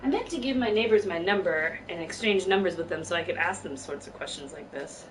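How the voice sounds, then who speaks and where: A woman's voice: lowish voice, expressive, brisk. A woman chatting casually as she streams a game and gives live commentary. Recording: very noisy room, distant mic.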